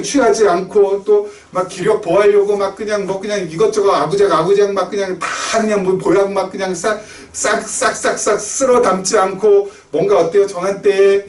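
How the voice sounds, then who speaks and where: Middle-aged pastor guy, highish voice, keeps asking the crowd questions, echoey church sound. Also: a little mellow. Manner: conversational preaching with rhetorical questions to the congregation. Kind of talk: sermon. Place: church sanctuary. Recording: roomy church echo, slightly distant.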